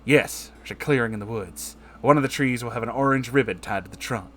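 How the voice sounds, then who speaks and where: A man's voice: medium pitch, fairly quick, a bit bright, a little hiss or hum, natural voice. A man voicing a hostile, scornful woman hunter in a comedic story reading, curt and menacing. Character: hostile, scornful Louisiana woman who hunts.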